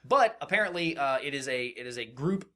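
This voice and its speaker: Animated, bright-voiced man. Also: mid-range voice, fairly quick. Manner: swears casually, joking. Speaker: podcast host. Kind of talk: casual gaming banter.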